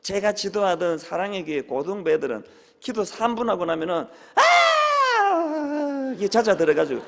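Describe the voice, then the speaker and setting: A male pastor preaching a sermon, telling humorous stories with sudden shouted exclamations. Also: high-pitched, expressive, quick pace, vocal fry. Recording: long hall reverb.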